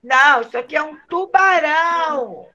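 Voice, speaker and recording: A woman teacher with a Brazilian Portuguese accent, giving a remote literacy lesson to a young child over a call, drilling syllables slowly in a sing-song way. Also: high voice, animated, pushed and bright, muffled recording.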